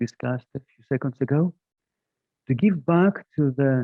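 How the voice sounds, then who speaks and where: Here is a man with a Greek accent and a fairly high pitch. His pace is moderate, with ordinary pitch variation. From Greece. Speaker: professor. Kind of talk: lecture.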